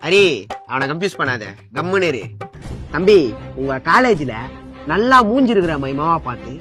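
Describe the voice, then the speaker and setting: A man's voice: on the high side, sing-song, moderate pace, fairly bright tone. Swaggering man giving boastful advice. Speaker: cocky older brother figure in comedy sketch. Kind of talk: scripted comedy sketch acting. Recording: clear background music.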